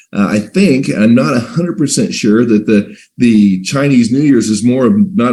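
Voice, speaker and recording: A man's medium-pitched voice with a dark, mellow tone and audible room echo. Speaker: attorney and business leader. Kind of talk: business presentation. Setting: video call. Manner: fast.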